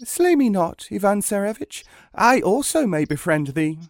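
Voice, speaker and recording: A man's voice: high-pitched, big pitch swings, moderate pace, no echo, voice pushed up. A man voicing an earnest female duck who pleads in a storybook. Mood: pleading. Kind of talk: storybook character voice.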